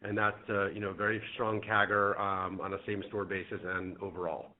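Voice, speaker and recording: A man speaking as a company executive, giving careful, measured answers on an earnings call. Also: sits low, little pitch movement. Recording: muffled phone-line conference call.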